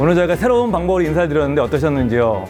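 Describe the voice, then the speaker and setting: Music plays in the background. A man with a fairly high pitch speaks in very wide pitch swings. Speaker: investment center executive, host. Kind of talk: talk show hosting.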